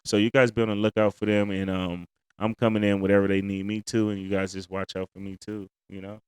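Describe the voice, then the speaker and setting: A man's voice: on the low side, little pitch movement, fast, smooth, dry recording. A man with an African American accent talking casually and emphatically on a podcast as a comedian guest, using plenty of slang.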